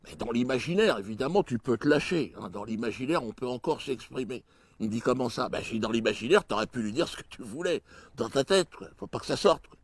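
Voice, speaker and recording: A man performing a stand-up comedy routine in a crude, mocking way, jumping suddenly in pitch and loudness. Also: animated, quick pace, breathy edge, dry recording.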